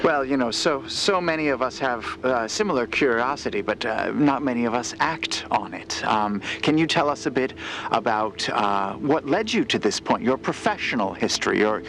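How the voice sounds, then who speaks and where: A man playing a deferential journalist in an audio drama interview, hesitant and flattering as he speaks. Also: mid-range voice, normal speed, a little hiss or hum. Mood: curious, hesitant. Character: admiring male journalist interviewing a scientist.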